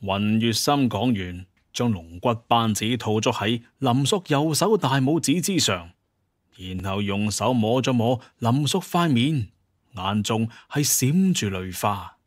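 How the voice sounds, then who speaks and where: A man's voice: medium pitch, animated, measured pace, no room sound, clean studio sound. A man narrating a story in a dramatic audio-drama style.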